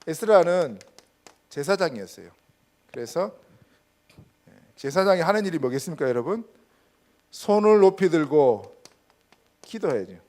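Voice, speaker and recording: Male pastor, animated sermon delivery, fairly high voice, punchy rhetorical questions. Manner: emphatic preaching, rhetorical questions to the congregation. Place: church sanctuary.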